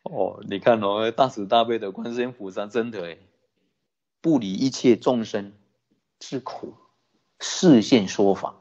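A Buddhist dharma teacher telling a story in a sermon, animated, often asking the listeners questions. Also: medium pitch, a little slow, dull audio. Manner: animated, many rhetorical questions to the audience.

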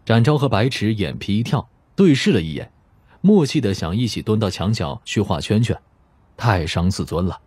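A man's voice: on the low side, sing-song, moderate pace, darkish tone, husky, no room sound. A man narrating a novel in a scripted, dramatic audiobook style.

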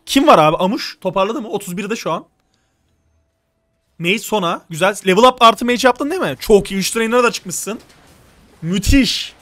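A young man streaming live, coaching players through a strategy game with urgent, animated instructions. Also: high-pitched, moderate pace, long pauses, dry recording.

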